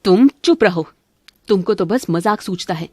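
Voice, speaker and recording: A woman voicing a greedy, scheming middle-aged mother-in-law in an animated family cartoon, bossy and grumbling. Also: mid-range voice, normal speed, husky, dry recording, clean studio sound, lightly acted. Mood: vengeful.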